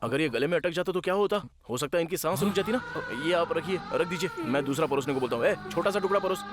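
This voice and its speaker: A man's voice: a little high, lively intonation, fast talker, lightly acted. A man dubbing a fussy young man who fawns over his brother-in-law and pleads with him. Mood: fussing. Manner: pleading and fussing. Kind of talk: dubbed film acting.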